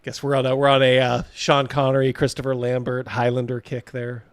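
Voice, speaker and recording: A man's voice: medium pitch, completely flat delivery, a little fast, smooth, no echo. A man hosting a casual live commentary, reading out viewer comments in a blunt, mocking, sweary way. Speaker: host of a livestream reacting to a video.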